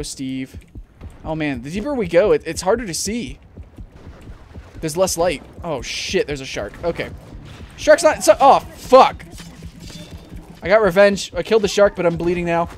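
A man's voice: a little high, slight background noise. Jumpy young man commentating gameplay. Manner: jumpy, swears, frequent panicked shouts. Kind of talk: let's play commentary.

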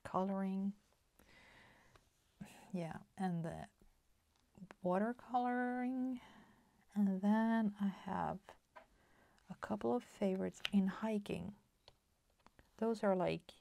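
A Swedish woman in her forties with a Swedish accent, chatting softly at her craft table with many fillers and half-whispered asides. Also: mid-range voice, gravelly, no echo. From Sweden. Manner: soft-spoken, slips into whispers, many fillers. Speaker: crafting channel host. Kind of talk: casual chat while crafting. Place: home craft table, indoors.

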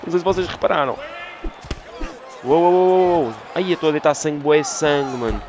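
A man with a European Portuguese accent giving excited gameplay commentary, swearing and rapidly repeating words. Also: fairly high pitch. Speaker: gaming commentator. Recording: loud crowd and game noise behind. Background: game crowd noise.

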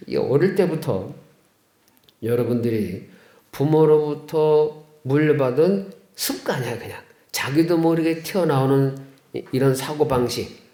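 A folksy priest in an echoey chapel. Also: male voice, a little high, dark tone. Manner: folksy, asks the congregation questions. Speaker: Catholic priest. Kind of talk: homily. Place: chapel of a care center. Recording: echoey room.

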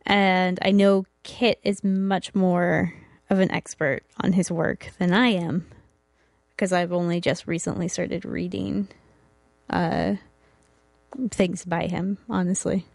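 A woman's voice: fairly low pitch, level tone, takes it slowly, gravelly, darkish tone, no room sound, studio quality. A young woman co-hosting a podcast, introducing a comic in a friendly, hesitant way. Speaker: podcast co-host. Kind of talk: casual chat about comics.

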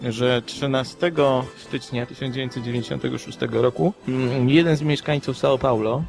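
A man co-hosting a podcast, giving measured, analytical commentary in an explanatory conversational style. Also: mid-range voice, creaky.

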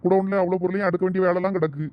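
Rapid-talking man with Thoothukudi Tamil accent. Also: high-pitched, little pitch movement, dry recording, highs cut off. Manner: bossy, scolding husband talk. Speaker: village comedy skit actor. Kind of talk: village comedy skit dialogue.

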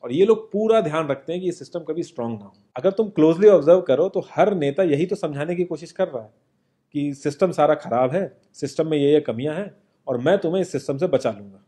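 An earnest young man speaks straight to the viewer in an informal, persuasive monologue. His voice sits a little high but has a warm, mellow tone. He is seated indoors, recorded on an off-camera mic. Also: animated, quick pace. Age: young adult. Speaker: social commentary presenter. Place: indoor home studio, seated.

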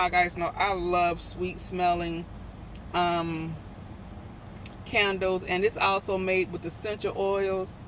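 A middle-aged woman talks through her shopping haul on a phone held at arm's length, rambling and correcting herself as she goes. Her voice sits at an ordinary middle pitch. Steady car and street noise runs behind her in the noisy phone recording. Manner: chatty, rambling, with frequent ums and self-corrections. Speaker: vlogger. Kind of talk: casual shopping haul vlog. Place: store then parked car with air conditioner on. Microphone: handheld phone at arm's length.

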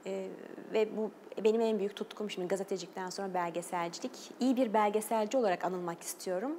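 A woman's voice: mid-range voice, quick pace, dark tone. TV guest, woman, earnest, hesitant fillers, long studio reverb, faint hiss. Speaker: guest, journalist and documentary maker. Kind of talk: TV interview talk.

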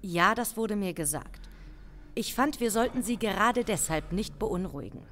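An actress playing an authoritative female police chief in an audio crime drama, formal, measured and commanding. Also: mid-range voice, animated, a little hiss or hum, natural voice. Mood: calm, formal. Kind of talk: German audio drama acting.

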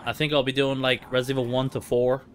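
A man's voice: medium pitch, flat delivery, quick pace, a little hiss or hum. A man giving casual live commentary as he plays a video game, with playful asides. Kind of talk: casual gaming livestream commentary. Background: horror game sound.

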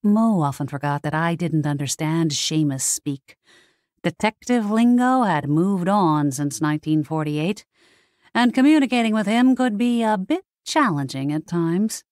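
A woman's voice: fairly low pitch, animated, unhurried, darkish tone, dry recording, studio quality. A woman narrating a first-person mystery audiobook from a script.

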